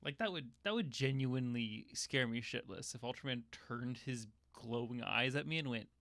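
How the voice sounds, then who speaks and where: A man's voice: medium pitch, moderate pace, a bit bright, no room sound. A man streaming a casual watch-along, joking, laughing often and getting emotional over the film. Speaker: streamer hosting a watch party.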